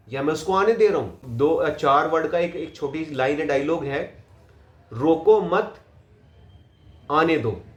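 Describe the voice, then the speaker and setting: Slow-speaking man teaching acting, echoey room. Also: a little high. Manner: slow, deliberate, repeats lines with varied pauses and stress. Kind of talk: acting lesson.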